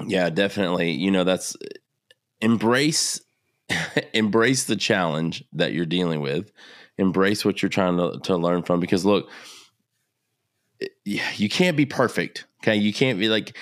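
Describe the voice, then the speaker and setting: A man in his thirties co-hosts a casual podcast in a very low voice, and he turns animated and emphatic when he drives a point home. The recording is close and dry, with no room sound. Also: measured pace, no room sound. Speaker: podcast co-host.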